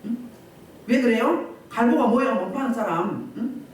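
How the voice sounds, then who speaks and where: A woman pastor preaching a sermon at a healing service, telling the story with lively voices for the crowds she describes. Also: on the high side, moderate pace. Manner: animated, acts out crowds and quotes. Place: church meeting room. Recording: echoey hall, distant mic.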